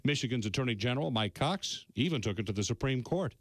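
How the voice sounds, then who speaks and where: A man's voice: mid-range voice, animated, quick pace. An American man narrating a scripted TV news feature as a reporter, with dramatic, emphatic storytelling.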